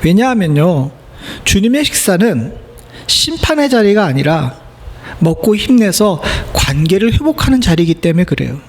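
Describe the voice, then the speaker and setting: A man's voice: high voice, very animated, moderate pace, slight background noise. A middle-aged male pastor giving a sermon in a church, preaching conversationally and asking the congregation rhetorical questions. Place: church sanctuary.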